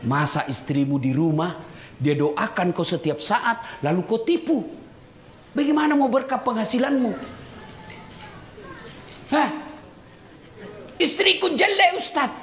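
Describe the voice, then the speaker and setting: A man's voice: high voice, unhurried, pauses often. A man preaching a humorous sermon to a live audience, teasing and addressing listeners directly. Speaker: Islamic preacher. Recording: echoey hall with crowd noise.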